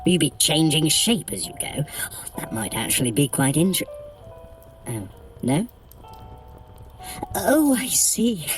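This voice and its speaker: A woman's voice: deep voice, very animated, a little slow, long pauses. A woman playing a sly, haughty trickster deity in an audio adventure workout, with an arch, droll, condescending delivery. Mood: dry, bemused. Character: sly, haughty trickster deity guiding a mortal through a heist. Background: music.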